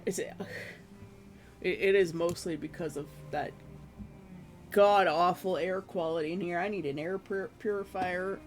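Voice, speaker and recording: Hoarse, rambling streamer over faint music. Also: medium pitch, steady tone, unhurried, long pauses. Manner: rambling, self-deprecating, laughs often. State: hoarse, losing voice. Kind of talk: casual chat with viewers. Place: own room at home.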